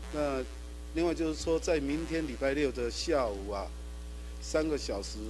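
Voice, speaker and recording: Light background noise accompanies this man as he talks at a fairly slow pace. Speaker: city councillor. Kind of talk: formal questioning speech. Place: hall. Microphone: podium.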